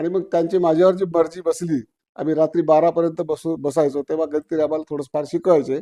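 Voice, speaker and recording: A man's fairly high-pitched voice with a dark, mellow tone, monotone, flat intonation and a dry, close sound with no echo. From Chandrapur district, Vidarbha. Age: 70s. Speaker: independent election candidate, retired railway engineer. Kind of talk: interview.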